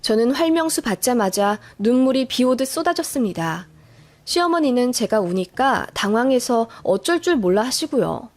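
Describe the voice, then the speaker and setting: A woman's voice: a little high, sing-song, normal speed, a little mellow. A woman narrating a first-person family story in an emotional, confessional way.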